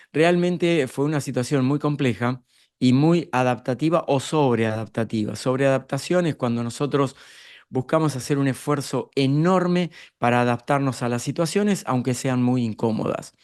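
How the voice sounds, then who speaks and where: A man's voice: mid-range voice, a little mellow. Argentine man giving a live leadership talk. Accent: Argentine Spanish. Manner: explanatory, addresses the audience directly with rhetorical questions. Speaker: speaker on leadership and emotional intelligence.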